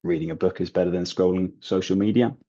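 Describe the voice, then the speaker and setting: A man talking as a guest in a casual interview, relaxed and chatty with many ums and restarts. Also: low voice, fast talker, lo-fi sound. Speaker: guest, language learning YouTuber.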